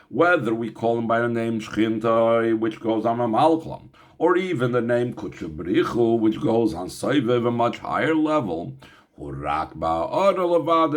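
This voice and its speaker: A man teaching a Chassidic text, reading out Hebrew phrases and explaining them in English, often asking rhetorical questions. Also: mid-range voice. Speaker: Torah teacher.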